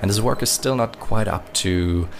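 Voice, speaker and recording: A man with a very deep voice plays in a roleplay podcast. He casually describes his character's actions in improvised third-person narration. Clear ambient noise runs behind him. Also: normal speed.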